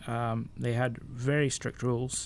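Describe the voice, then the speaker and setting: With a Scottish accent, a man talks at a fairly slow pace and a medium pitch, keeping his intonation fairly even. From Scotland, coastal fishing village. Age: 40s. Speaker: churchgoer telling life story. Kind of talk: testimony.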